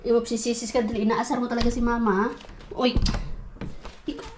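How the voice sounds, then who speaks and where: Filipina mom vlogger, high voice, playful and coaxing, code-switching, home bathroom with water noise. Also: flat delivery, a little fast, roomy sound. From Philippines. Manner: playful, coaxing, laughs often, mixes Tagalog with English. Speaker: mother vlogger. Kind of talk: casual home vlog talk with a toddler.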